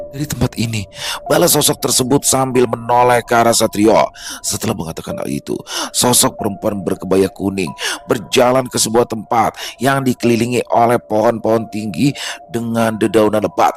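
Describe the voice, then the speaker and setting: A man narrating a scripted horror story in a slow, hushed, dramatic way. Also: mid-range voice.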